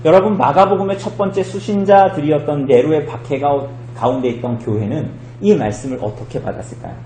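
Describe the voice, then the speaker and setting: A male pastor preaching a sermon, telling the story in an animated way and acting out the quoted lines. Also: a little high, brisk, echoey room, a little hiss or hum, low-quality recording. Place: church sanctuary.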